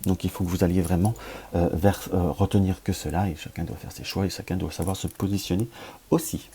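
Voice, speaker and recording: A man's voice: low-pitched, fairly even intonation, a little fast, mellow, slight background noise. A man with a French accent giving a daily card reading to camera, talking hesitantly with many restarts and fillers. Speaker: tarot reader.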